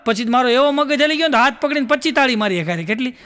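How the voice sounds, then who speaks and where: A man tells a stand-up anecdote at a quick clip. His voice is very high and bright, and he keeps repeating his punchlines. A long hall reverb follows him. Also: animated, heavy background noise. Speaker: stand-up comedian. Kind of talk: Gujarati stand-up storytelling.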